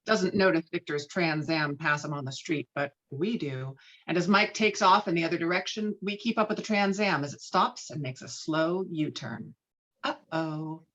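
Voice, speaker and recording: A woman narrates a screenplay, reading out scene headings and action. Her voice sits fairly low, and the audio is a little dull and lo-fi. It has the feel of a scripted table read. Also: moderate pace, a bit bright. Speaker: narrator reading stage directions.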